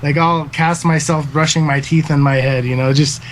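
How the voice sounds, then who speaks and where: A man's voice: on the high side, steady tone, normal speed, a little hiss or hum. A man in his thirties, a guest esports caster, talking earnestly in a casual podcast interview, with lots of fillers. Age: 30s. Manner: earnest, rambling with many fillers.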